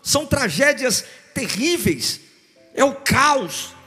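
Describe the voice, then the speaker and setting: A man preaching a sermon, swinging between loud bursts and hushed, repeated phrases. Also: very high voice, big pitch swings, takes it slowly, in a large hall, soft background music. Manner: rhythmic repetition, calls for congregation to repeat. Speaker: pastor.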